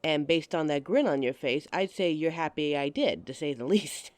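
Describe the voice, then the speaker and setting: A woman's voice: deep voice, expressive, normal speed, no room sound. A woman playing a giggly, teasing date. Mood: friendly. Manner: teasing and giggly, laughs often. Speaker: voice actress in an audio roleplay. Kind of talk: audio roleplay addressing the listener as a date.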